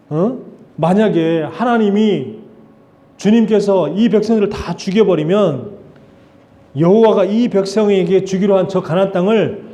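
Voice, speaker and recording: A man preaching a Sunday sermon in church, conversational and animated, asking the congregation questions. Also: high voice. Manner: animated, acts out quoted voices of God and Moses. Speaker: pastor. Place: church sanctuary.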